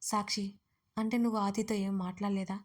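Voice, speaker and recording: A patient young man who soothes and reasons in a steady, even tone, as a woman storyteller puts him on. He speaks persuasively and keeps his voice level. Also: medium pitch, a little fast, natural voice. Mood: pleading.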